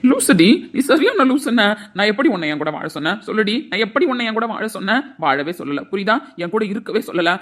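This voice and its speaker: A woman voicing an angry, scornful young husband in an amateur audio drama, shouting and scolding. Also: mid-range voice, lively intonation, fast talker, hardly any pauses, natural voice. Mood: furious. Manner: shouting, scolding, repeats "understand?".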